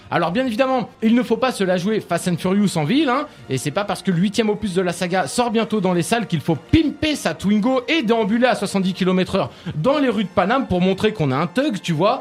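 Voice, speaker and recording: Music plays behind a man speaking at a fairly quick pace. His pitch is high and his intonation lively. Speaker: radio columnist. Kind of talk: radio entertainment column. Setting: radio show, studio. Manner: fast, sarcastic, joking.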